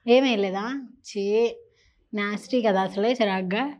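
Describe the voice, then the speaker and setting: A woman's voice: on the high side, moderate pace. A woman interviewing children in a casual, teasing and chatty way, holding a handheld mic. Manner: playful, teasing, chatty with kids.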